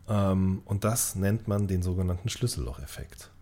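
A man's voice: deep voice, moderate pace, warm tone. A man, probably in his thirties, explaining things as co-host of a casual podcast.

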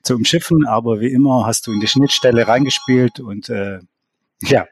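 Male podcast guest, mid-pitched, halting delivery full of fillers, dry home recording. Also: slightly rough, no room sound. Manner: hesitant, many fillers. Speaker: football reporter guest. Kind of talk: casual podcast discussion. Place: home office.

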